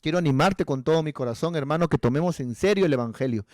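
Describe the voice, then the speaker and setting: Earnest preaching pastor, higher man's voice. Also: fast talker, a little mellow, no room sound. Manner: earnest, pleading, acts out dialogue. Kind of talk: sermon.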